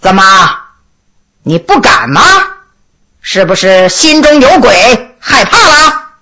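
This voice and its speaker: A stern male judge of the imperial court, interrogating in a slow, measured, coldly reproachful voice, as a woman storyteller puts him on. The delivery is unhurried with a lively rise and fall. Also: fairly high pitch, heavily acted.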